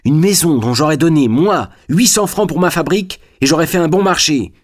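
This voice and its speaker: A man's voice: on the high side, lively intonation, fairly quick, dry recording, clean studio sound, voice pushed up. A man voicing a stout, outraged manufacturer complaining. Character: fat, outraged male manufacturer.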